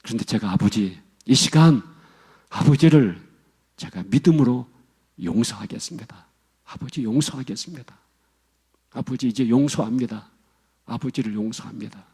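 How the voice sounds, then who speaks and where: A man's voice: mid-range voice, normal speed, long pauses, warm tone, breathy edge. A man voicing a grown man who cries out to his father, wailing and pleading with reproach. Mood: tearful.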